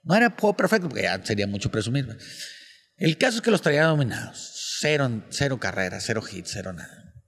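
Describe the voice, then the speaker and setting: A man's voice: mid-range voice, very animated, fast, gravelly, a bit bright. Slangy Mexican male comedian, echoey room. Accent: Mexican Spanish. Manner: slangy, storytelling, acts out joke characters in raised voices. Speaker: stand-up comedian guest. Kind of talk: casual podcast chat with joke telling.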